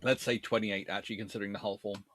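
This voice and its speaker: A man's voice: lowish voice, little pitch movement, very fast, background noise. A man hosting a live history chat, answering viewers in a rambling, discursive way like a lecturer thinking aloud.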